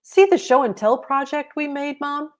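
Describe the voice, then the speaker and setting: A woman's voice: sits high, moderate pace, pitched above the performer's own voice, close to an everyday voice. A woman voicing an eager, bossy young schoolgirl in a storybook read-aloud, with emphatic exclamations. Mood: proud.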